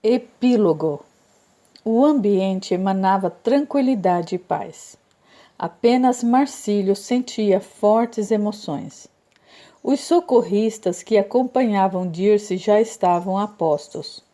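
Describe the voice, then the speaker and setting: A woman narrating an audiobook with a mellow, dark timbre at a middle pitch. She reads in a measured, even storytelling manner, steady and unhurried.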